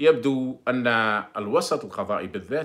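A man with an Algerian accent speaks at a fairly slow pace with lively intonation. The background is quiet. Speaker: political commentator. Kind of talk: live stream monologue. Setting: live stream. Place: home room. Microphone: phone near.

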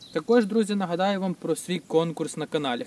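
There is light background noise as a man speaks. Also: dry sound with no echo. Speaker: fishing vlogger. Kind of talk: casual vlog chat. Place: waterside. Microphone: camera far.

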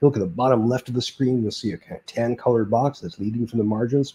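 A man talks at a very fast pace. His tone is dark and mellow, and somewhat breathy. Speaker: forum host. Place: home room. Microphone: webcam.

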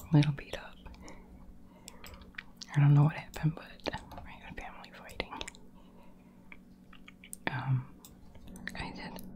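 Whispering at a fairly slow pace, the speaker leaves long, frequent pauses, and the loudness swings a lot. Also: woman. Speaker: gameplay narrator. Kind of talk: ASMR gameplay commentary. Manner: whispered. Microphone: studio mic.

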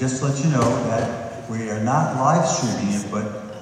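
A man talks at a moderate pace. Strong room echo and light background noise surround his voice. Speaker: recital host teacher. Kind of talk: event announcement. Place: hall. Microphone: camera far.

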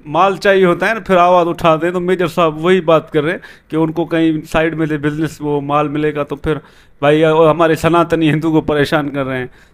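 This man talks at a moderate pace with a fairly high pitch. His intonation is monotone and flat. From Pakistan. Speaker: reaction video host. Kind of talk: reaction video commentary. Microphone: handheld.

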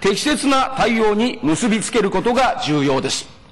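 This man talks with lively, varied intonation. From Japan. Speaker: prefectural assembly member. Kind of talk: formal parliamentary questioning. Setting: assembly chamber. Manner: formal. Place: hall. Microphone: podium.

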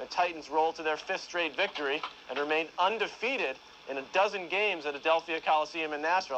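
Light background noise sits behind a man with a plain, everyday voice, fairly high in pitch, speaking at a fairly quick pace with ordinary pitch variation. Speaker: sports reporter. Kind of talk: radio sports report with playful banter. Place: studio.

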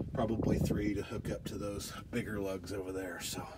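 A man talks at a moderate pace, and noticeable background noise runs behind him. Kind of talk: casual vlog chat. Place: open country. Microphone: phone near.

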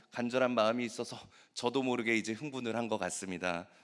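The delivery has an animated tone at a moderate pace. It is a very clean recording with a silent background. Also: man. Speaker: pastor. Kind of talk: sermon.

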